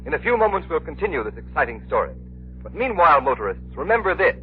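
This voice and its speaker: A man's voice: on the high side, sing-song, fast talker, a little hiss or hum. A man announcing and reading a persuasive commercial in 1930s radio style. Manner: persuasive, emphatic. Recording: tinny 1930s radio recording.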